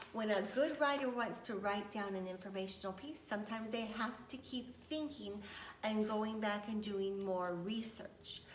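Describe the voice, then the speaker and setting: A woman with a fairly high pitch and ordinary pitch variation speaks over noticeable background noise and audible room echo. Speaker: teacher. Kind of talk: lesson for young children. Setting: filmed lesson. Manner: slow, deliberate.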